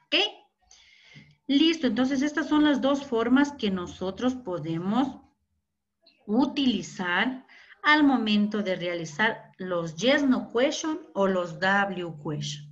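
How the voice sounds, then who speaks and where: A woman's voice: mid-range voice, animated, muffled recording. A woman teacher explaining English grammar in a patient lesson, regularly checking in with her students. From Ecuador. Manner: explains slowly, keeps asking ¿verdad? and ¿ya?.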